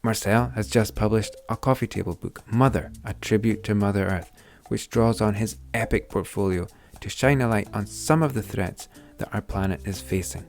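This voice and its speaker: A man's voice: fairly low pitch, moderate pace, few pauses, darkish tone, faint music behind. A man hosting a podcast, enthusiastic, with fillers and some hesitation. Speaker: podcast host. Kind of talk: podcast intro and interviewing.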